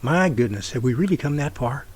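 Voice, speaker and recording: A man's voice: medium pitch, animated, brisk, a little mellow, breathy edge. A man hosting an audio drama series, delivering a scripted episode introduction to listeners.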